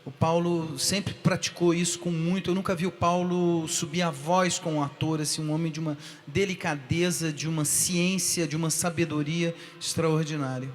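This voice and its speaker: A man on a theater stage speaking earnestly and warmly admiring, with some restarts, in a panel talk. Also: fairly high pitch, fairly even intonation, normal speed, few pauses. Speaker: guest actor, theater group founder. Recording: echoey theater hall.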